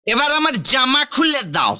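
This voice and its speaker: An actor playing a teasing, belligerent drunk husband in a broad film comedy, rambling and childish. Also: male voice, extremely high pitch, sing-song, normal speed, pushed and bright, exaggerated voice. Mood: tipsy pleading. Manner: belligerent drunk, rambling, taunting, sing-song. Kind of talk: broad comic film acting.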